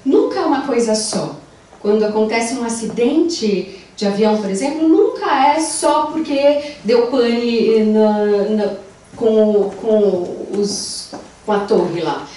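A young adult woman with a Brazilian Portuguese accent, giving an animated conference lecture as a psychologist through a handheld mic. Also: medium pitch. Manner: animated, gestures while walking the stage. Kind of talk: conference talk. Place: large wood-panelled lecture room. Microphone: handheld mic, far camera. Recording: echoey room recorded from far off.

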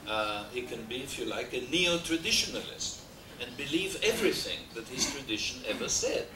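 An older man with an Austrian German accent lectures in a wood-paneled hall, pausing on fillers and slipping in dry jokes. His voice sits at an ordinary male pitch and comes across distant and roomy. A steady hiss from an old VHS transfer runs underneath. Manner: discursive, frequent hesitations, dry humor. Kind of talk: academic lecture. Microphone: desk mic on stand.

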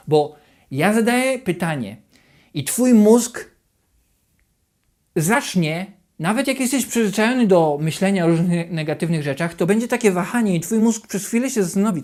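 A self-help channel host giving a motivational talk to the viewer, animated and repetitive, dropping into a hushed, anxious voice to act out inner thoughts. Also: mid-range voice. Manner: repeats and rephrases questions over and over.

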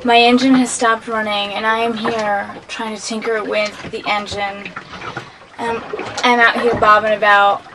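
A young adult woman casually narrating her own video diary on a sailboat, recorded on a handheld camera amid loud boat noise. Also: mid-range voice, level tone, a little slow. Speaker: solo sailor narrating life aboard. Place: aboard a small sailboat.

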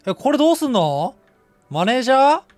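A young man commentating live on a horror game in rough casual speech, blurting exclamations and sarcastic quips. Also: very high-pitched, very animated, brisk, faint music behind. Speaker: game streamer. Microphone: desk streaming mic, indoors.

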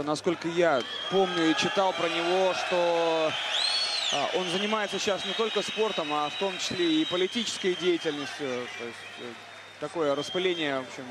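A man's voice: fairly high pitch, brisk. A man giving analytical live commentary on a fight. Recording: loud crowd and noise behind voice. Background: loud arena crowd.

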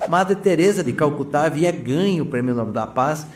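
A man's voice: a little high, animated, fairly quick, echoey room, slight background noise. A man, hosting a channel and narrating a documentary casually, speaking straight to his viewers. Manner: conversational, addresses viewers directly. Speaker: channel host.

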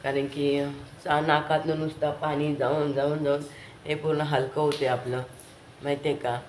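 A young woman with a bad cold, talking casually to viewers in a home vlog while watching her toddler; her voice is hoarse and congested, and she keeps speaking directly to the audience. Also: deep voice, flat delivery, normal speed, a little mellow. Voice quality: hoarse, thick voice. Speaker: vlogger and mother. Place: living room at home. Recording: echoey room, faint background noise.

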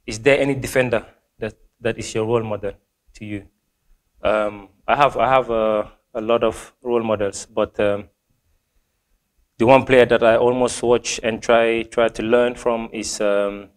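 A young man from Gambia reads questions off a sheet and answers in a level, unvaried voice. He pauses often, filling gaps with ums and restarting his sentences. He sounds seated in a small indoor room. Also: lowish voice, little pitch movement. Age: young adult. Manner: hesitant, many ums and restarts. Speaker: football player. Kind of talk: reading fan questions and answering.

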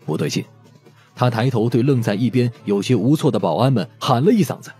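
Guy narrating an audiobook, soft dark tone, lots of intonation, bit of music behind. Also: medium pitch, expressive, brisk, breathy edge. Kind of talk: expressive scripted audiobook narration.

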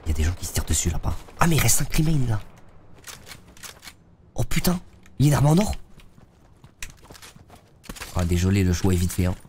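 A young man, congested with a head cold, chats loosely in slang with viewers while streaming a game from a gaming chair in his streaming room. His fairly low, darkish voice makes big pitch swings and moves fairly quickly, with long pauses and slight background noise.

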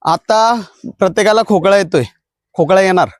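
A running coach with a high, clear male voice and a firm, direct way of instructing his trainees. The sound is dry and close, with little room around it. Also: moderate pace, no room sound. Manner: shouts encouragement, then lectures firmly. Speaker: police recruitment fitness coach. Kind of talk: outdoor coaching of runners.

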